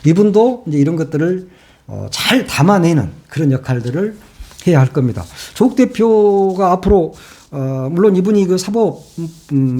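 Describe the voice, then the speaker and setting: A man's voice: fairly high pitch, warm tone, breathy edge. A man giving solo political commentary, opinionated and emphatic, often asking rhetorical questions.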